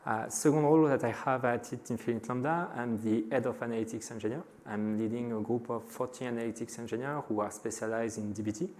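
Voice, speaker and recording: A middle-aged man from France with a French accent, giving a conference talk to a live audience and pausing often on filler sounds. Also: medium pitch, steady tone, a little mellow. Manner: frequent hesitations with many "uh" fillers. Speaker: conference speaker.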